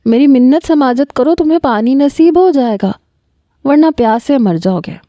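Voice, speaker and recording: A woman's voice: high voice, lively intonation, mellow, no room sound, pitched above the performer's own voice. A woman reading an audio story, voicing a cruel young woman who mocks and taunts her helpless captive. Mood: mocking. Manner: taunting, coldly mocking. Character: cruel mocking young woman taking revenge.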